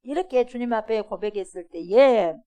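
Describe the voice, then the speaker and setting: Middle-aged woman pastor, higher voice, animated sermon with questions to the congregation. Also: moderate pace. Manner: animated preaching, asks the congregation questions, swings from loud to hushed. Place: church sanctuary.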